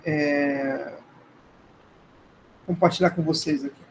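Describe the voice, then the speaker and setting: A man's voice: fairly high pitch, steady tone, slow, creaky, a little hiss or hum, poor audio. A man with a Brazilian accent, a native Portuguese speaker, giving an informal live lecture in a hesitant, conversational way with frequent check-in questions. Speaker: teacher.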